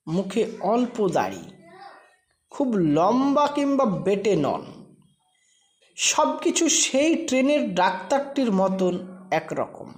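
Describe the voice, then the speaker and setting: A woman reading a scripted story aloud as a narrator. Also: mid-range voice.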